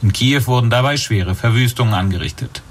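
A man's voice: mid-range voice, breathy edge. A man delivering a sober news report as a foreign correspondent. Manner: sober, measured.

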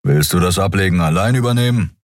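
A man voicing a grumpy, suspicious male alien engineer in an audiobook, gruff and growling. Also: sits low, animated, quick pace, no echo, clean studio sound.

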